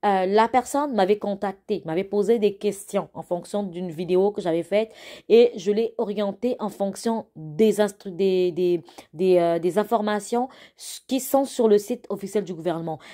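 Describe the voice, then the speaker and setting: A woman talks at a fairly slow pace with a medium pitch, ordinary pitch variation and a dark, mellow tone. The recording is very clean, with a silent background. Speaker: YouTuber giving immigration advice. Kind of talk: vlog advice talk.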